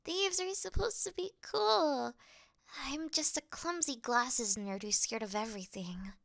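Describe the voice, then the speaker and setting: A woman's voice: high-pitched, measured pace, vocal fry, a bit bright, no room sound, clean studio sound, heavily acted. A woman voicing a clumsy, easily scared young female thief who acts tough in an ASMR roleplay, flustered, pouty and stammering. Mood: embarrassed, confessing.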